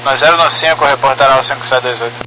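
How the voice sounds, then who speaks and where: A man's voice: medium pitch, steady tone, quick pace, pushed and bright, low-quality recording. A Brazilian man, an airline pilot, making clipped air traffic control radio calls and readbacks.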